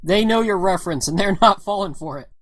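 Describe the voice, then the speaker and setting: A woman's voice: mid-range voice, fast talker. Casual woman running a tabletop game. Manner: casual, laughing, frequent "all right" and "uh". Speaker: game master.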